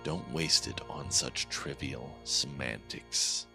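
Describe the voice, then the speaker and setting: A man voicing a dead miner possessed by a devil, speaking slowly with low, measured menace over background music. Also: gravelly, exaggerated voice. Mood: menacing. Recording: music playing behind.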